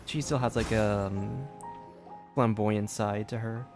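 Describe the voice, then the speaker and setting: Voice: mid-range voice, slow, music in the background. A game streamer of androgynous-sounding voice giving casual, musing commentary in a conversational way.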